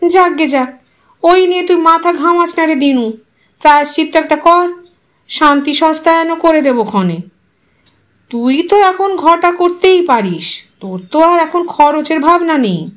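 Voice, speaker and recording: A woman's voice: very high voice, lively intonation, unhurried, pitched above the performer's own voice. A woman voicing a pompous, pushy male village priest in an audio story, with a know-it-all, wheedling manner. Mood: knowing, insistent.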